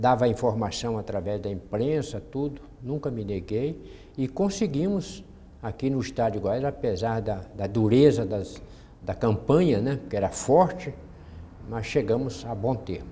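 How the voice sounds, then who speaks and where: A man's medium-pitched voice with vocal fry, a dark, mellow tone, lively intonation and a fairly slow pace. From Goiás, Brazil. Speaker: retired judge. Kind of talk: oral history interview answer.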